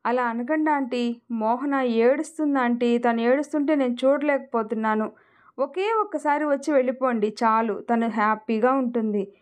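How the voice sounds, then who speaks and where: A woman's voice: on the high side, normal speed, lightly acted. A woman voicing a loving young husband who tenderly pleads and comforts, in an emotional audio story. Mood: pleading. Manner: affectionate, pleading.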